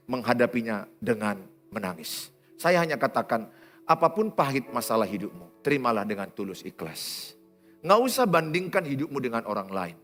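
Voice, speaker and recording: A male pastor preaching a sermon, dramatic, swinging from loud exhortation to low, intimate talk and acting out his congregants' voices. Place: church auditorium.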